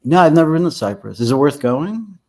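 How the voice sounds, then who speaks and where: Man, American, interview guest, gravelly, thinks aloud, repeats words. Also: fairly high pitch, big pitch swings, a little fast, a little mellow. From United States. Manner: thoughtful, repeats words while forming ideas. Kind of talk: casual conversation.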